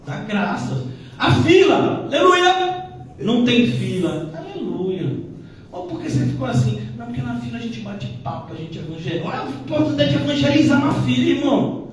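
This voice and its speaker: Pastor in an echoey church. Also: male voice, very high-pitched, very animated, a little fast, darkish tone. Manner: conversational, with frequent "né?" asides. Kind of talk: Bible-study sermon. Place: church hall. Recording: echoey church hall, distant mic.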